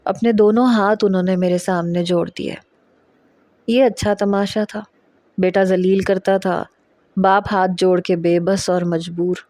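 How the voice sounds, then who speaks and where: A woman's voice: mid-range voice, fairly even intonation, mellow, no room sound. Woman narrating a story, dry close sound. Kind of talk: first-person story narration.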